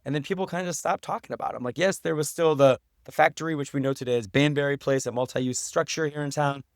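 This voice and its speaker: An American man with a slightly high voice gives a conversational interview. He explains things earnestly, like a documentary director telling a story, and repeats phrases for emphasis. The sound is fairly dry and close. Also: quick pace, no echo. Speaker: podcast guest, documentary director.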